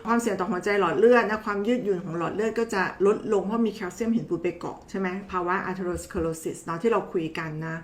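A woman's voice: mid-range voice, fast, few pauses. Chatty woman doctor in a roomy space. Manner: chatty, teasing, addresses viewers familiarly. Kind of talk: casual health explainer talk. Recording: roomy echo.

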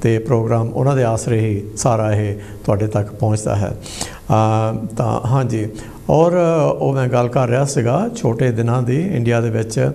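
A man hosting a phone-in memories show in a TV studio, chatting in an unhurried, reminiscing way with frequent hesitations. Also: mid-range voice, vocal fry, mellow. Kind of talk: casual broadcast chat.

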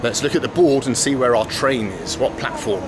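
A man in his thirties talks into a camera held at arm's length, with a chatty, wry way of narrating his trip. His pitch sits right in the middle of the male range. Clear station and train noise hums behind him. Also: a little fast. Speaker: travel vlogger. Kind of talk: casual travel vlog to camera. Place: big train station hall and train carriage. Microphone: handheld camera at arm's length. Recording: noisy station and train ambience.

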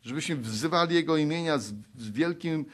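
A male preacher from Poland delivering an earnest sermon. He pleads and exhorts, rising into loud appeals and then dropping to hushed, low passages. He also reads scripture aloud in a measured way.

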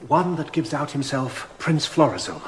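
Deferential servant, radio drama, slight background hiss. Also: male voice, on the high side, very animated, moderate pace. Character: court servant, eager and admiring.

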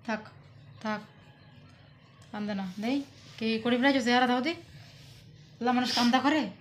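A woman's voice: on the high side, normal speed, a little hiss or hum. A woman from Bangladesh speaking, coaxing and teasing her husband at home while talking to her viewers. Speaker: vlogger filming her husband. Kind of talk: casual home vlog.

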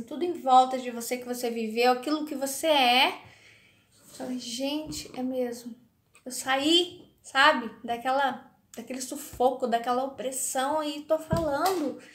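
A woman in her thirties giving a casual devotional talk, speaking hesitantly and often checking in with her listeners. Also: high voice. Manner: hesitant, keeps asking "sabe?". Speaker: faith vlogger. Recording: echoey room.

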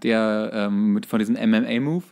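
A young man co-hosting a podcast in casual banter, halting and often correcting himself. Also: on the low side, steady tone, gravelly, darkish tone, smooth. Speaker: podcast co-host. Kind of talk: casual banter between friends.

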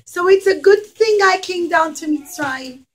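A woman voicing an emotional young male ruler in a children's puppet story, earnest and drawn-out. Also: very high voice, expressive, voice pushed up. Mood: earnest, reassuring. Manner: slow, earnest, drawn-out pleading.

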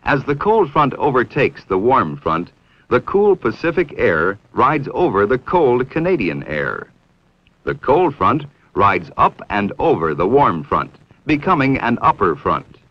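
An American man reading scripted 1960s training film narration in a formal, measured, authoritative manner. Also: medium pitch, no room sound. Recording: dull, aged 1960s film soundtrack.

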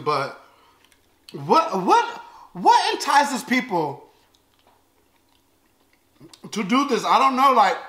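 A man's voice: extremely high pitch, bright, forceful tone. An American man in his thirties chatting casually and comically to viewers as a vlog host, exclaiming and reacting expressively while he eats. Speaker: host of a food-tasting video. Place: large open living and dining room at home. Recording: roomy echo, clear background noise.

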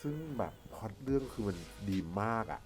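An excitable reaction host chats like a devoted fan, gushing and stretching out exclamations. The voice sits at a middling pitch, with music clearly playing behind it. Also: brisk. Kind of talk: casual fan reaction chat. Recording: music playing under the talk.

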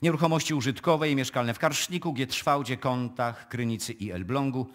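An actor playing a formal, discreet male notary in a radio play, speaking in a measured, officious manner. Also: medium pitch, close to an everyday voice. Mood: formal, official. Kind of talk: live radio play acting.

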